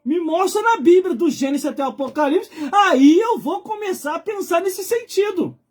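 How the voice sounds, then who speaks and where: Brazilian male livestream preacher, 40s, high-pitched, colloquial and insistent delivery over music. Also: animated, moderate pace. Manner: emphatic, colloquial, repeats phrases for effect. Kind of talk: informal live sermon.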